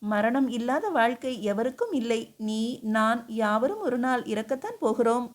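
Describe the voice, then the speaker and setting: A woman's voice: a little high, lively intonation, normal speed, natural voice. A woman voicing a stern, exasperated male emperor who scolds his wife with incredulous questions, in an audiobook reading. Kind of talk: audiobook character voice.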